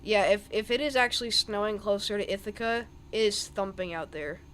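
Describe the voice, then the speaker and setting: A man's voice: high voice, brisk, fairly bright tone, a little hiss or hum. A young man giving live weather commentary on a stream, thinking aloud over the radar with plenty of ums and restarts.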